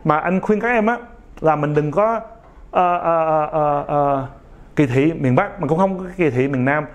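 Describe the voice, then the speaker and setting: Leaning toward the high side, a man's voice carries a laid-back motivational message for young people. His speech is halting and full of fillers, his accent imperfect, and "ok?" comes up again and again.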